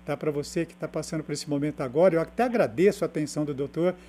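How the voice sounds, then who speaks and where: A man's voice: a little high, rapid-fire, mellow, a little hiss or hum. A man co-hosting a radio interview, thanking the guest.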